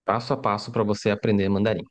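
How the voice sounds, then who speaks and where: A man's voice: on the low side, level tone, fast talker. A middle-aged man teaching a live online language lesson in a casual, chatty way, often checking in with his students. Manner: casual, chatty, keeps adding tag questions. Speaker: Mandarin teacher.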